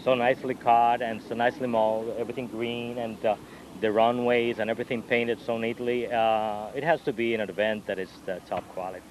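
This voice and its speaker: A man's voice: mid-range voice, little pitch movement, a little fast, low-quality recording. A man from Puerto Rico with a Spanish accent, answering politely as a competitor being interviewed outdoors. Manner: polite, deferential. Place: outdoors at a flying field. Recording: faint outdoor field noise.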